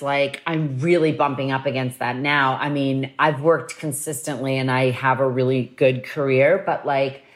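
Low-voiced candid woman host. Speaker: podcast host. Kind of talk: casual conversational interview.

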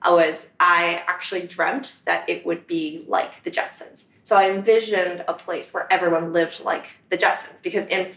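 A woman's voice: fairly low pitch, steady tone, normal speed, creaky, hardly any pauses, a bit bright. Reflective woman in an echoey room. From China. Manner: reflective, conversational storytelling. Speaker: interview guest. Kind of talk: casual conversation. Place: apartment in New York.

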